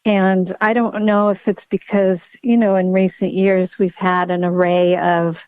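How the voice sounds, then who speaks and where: A woman's voice: medium pitch, little pitch movement, unhurried, no room sound. Woman on a tinny dry phone line. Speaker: pediatric neurologist guest. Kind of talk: podcast interview.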